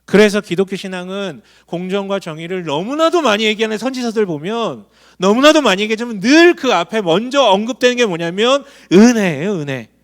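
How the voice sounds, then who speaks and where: Pastor, male, high voice, emphatic sermon with questions to the room. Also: lively intonation, a little fast, few pauses. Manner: emphatic, asks the congregation questions. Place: church hall.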